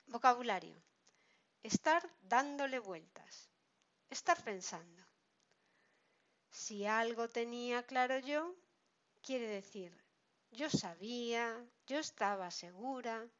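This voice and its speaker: Slow, careful Spanish woman teaching. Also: fairly high pitch. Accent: Spain Spanish. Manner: slow, careful, explains each phrase. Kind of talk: reading a lesson aloud. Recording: dull lo-fi recording.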